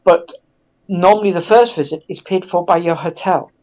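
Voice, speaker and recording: A man speaking in a halting, reflective way as a guest in a casual discussion. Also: sits high, a little mellow, highs cut off.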